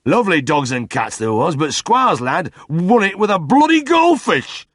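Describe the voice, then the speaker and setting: A man voicing a grumbling older male drinker, gruff and disgusted. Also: sits high, big pitch swings, moderate pace, fairly bright tone, dry recording, studio quality, pitched above the performer's own voice, heavily acted. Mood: disgruntled. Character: grumbling old Yorkshire drinker, gloomy.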